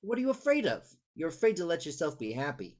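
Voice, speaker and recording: Actor as quick-talking skeptical best buddy. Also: male voice, a little high, huge pitch swings. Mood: incredulous, probing. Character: skeptical, probing male best friend. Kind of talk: virtual table read of a film comedy.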